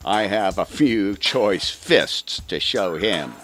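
A man's voice: deep voice, expressive, slow, fairly bright tone, soft background music, exaggerated voice. A man voicing a whining, sullen president who gives in, in an audiobook. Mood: sullen resignation.

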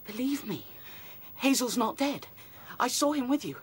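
A man's voice: extremely high pitch, animated, moderate pace, a crowd in the background. A British man playing an anxious, visionary young male rabbit, earnest and intense, in a radio drama. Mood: insistent.

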